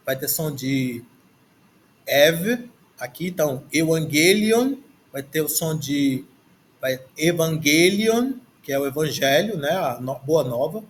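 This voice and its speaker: Over slight background noise, a man with a slightly high voice and a Brazilian Portuguese accent teaches a slow, halting language lesson from a textbook. He's at a desk in a screen recording, thinking as he reads and repeating words aloud while he works out how to say them.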